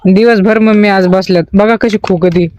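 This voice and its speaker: A woman's voice: fairly even intonation, moderate pace, darkish tone, highs cut off. A woman vlogging outdoors on a family farm with a phone, speaking, congested from a cold and chatting away, often cooing at her baby. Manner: chatty, coos at the baby in a high voice. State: stuffy nose from a cold. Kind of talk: casual vlog narration.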